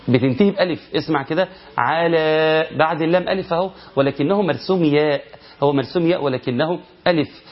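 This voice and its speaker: Brief: Egyptian man, recitation teacher, higher-pitched, quizzes listeners then chants slow verse examples, dull lo-fi audio. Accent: Egyptian Arabic. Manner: asks rhetorical questions and answers them, demonstrates by chanting drawn-out verses. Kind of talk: recitation lesson. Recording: lo-fi muffled recording.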